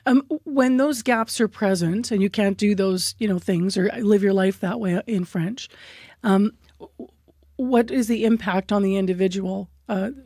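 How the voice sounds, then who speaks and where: A woman radio host interviewing a guest and reading out listener comments in a measured, conversational way with soft "um"s. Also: medium pitch, no room sound, studio quality.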